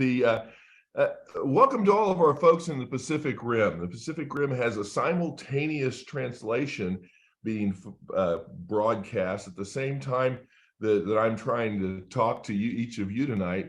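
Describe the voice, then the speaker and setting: Here a man speaks in an ordinary speaking voice at a medium pitch. His intonation is lively and his pace moderate. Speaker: attorney leading a business opportunity call. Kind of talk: weekly company update call. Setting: broadcast conference call with simultaneous translation.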